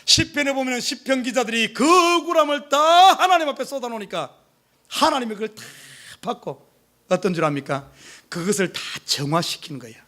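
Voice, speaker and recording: A male pastor preaching to his congregation, emphatic, with many rhetorical questions, swinging from urgent pleas to hushed asides. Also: very high voice, animated, a little fast. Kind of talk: sermon. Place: church service.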